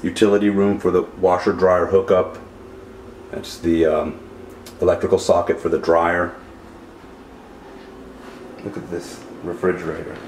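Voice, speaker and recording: The speaker, a realtor recording a property inspection, has a low-pitched, slightly mellow voice and gives clipped, disapproving walkthrough narration off the cuff. The empty townhouse rooms echo through his handheld camera mic, with faint background noise.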